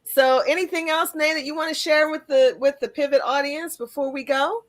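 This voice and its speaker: A woman's voice: sits high, steady tone, fairly quick. A woman hosting a casual interview in an enthusiastic, affirming manner. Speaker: podcast host.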